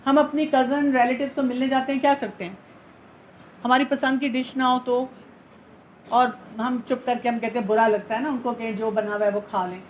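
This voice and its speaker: A woman with a high voice gives instructive advice, earnest and patient. She poses questions and answers them herself, slipping English phrases into her talk. A faint background noise sits under the recording. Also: steady tone. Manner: explains by asking and answering her own questions. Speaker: family counselor.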